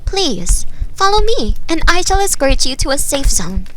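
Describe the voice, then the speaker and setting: A woman's voice: sits high, sing-song, a little slow, fairly bright tone, slight background noise, voice pushed up, full character voice. A woman voicing a polite, formal robotic combat drone in a storybook reading. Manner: formal, precise.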